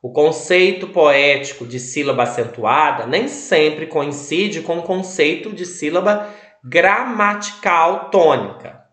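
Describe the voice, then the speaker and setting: A male teacher giving a recorded video lesson, explaining slowly and stressing each syllable. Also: a little high, a bit bright, reverberant.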